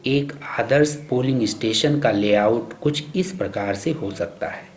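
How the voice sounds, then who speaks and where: A man reading scripted instructional narration for a training film in a formal, measured, instructive way. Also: mid-range voice, a little hiss or hum. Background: background music.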